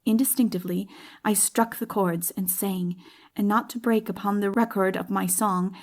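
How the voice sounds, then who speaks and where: A woman's voice: mid-range voice, fairly even intonation, normal speed. Woman reading a classic novel aloud, dramatic audiobook narration.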